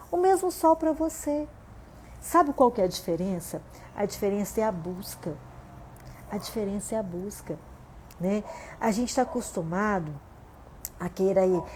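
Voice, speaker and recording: A Brazilian pastor, a woman with a Brazilian Portuguese accent, gives a chatty sermon over livestream from home, frequently asking "né?" and addressing listeners as "gente." Her voice sits on the high side with a darkish tone, and a faint hiss or hum can be heard.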